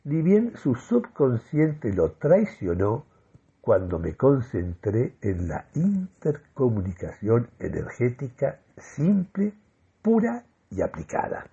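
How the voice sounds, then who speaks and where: A man's voice: medium pitch, wildly swooping pitch, slow, vocal fry, dark tone, slightly rough, dull audio. A man performing a comic first-person radio monologue in a theatrical, mock-solemn manner. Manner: dramatic, mock-solemn delivery.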